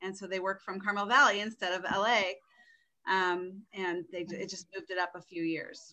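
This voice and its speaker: In an American accent, a woman speaks at a moderate pace with a bright, sharp tone and fairly even intonation. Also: medium pitch for a woman. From Monterey, California. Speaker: real estate agent. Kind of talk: panel discussion.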